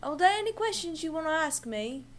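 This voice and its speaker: A woman playing a grandiose, excitable aged performer, pompous about being a living legend, in a comic monologue. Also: high-pitched, brisk, voice pushed up. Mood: grand, insistent. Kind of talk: comedic character monologue.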